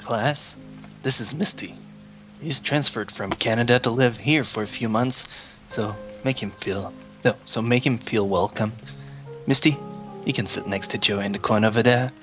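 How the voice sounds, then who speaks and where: A man's voice: mid-range voice, normal speed, fairly bright tone, soft background music, natural voice. Man playing a hammy, welcoming schoolteacher. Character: smiling schoolteacher welcoming a new student to class. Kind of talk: dramatic fan fiction reading.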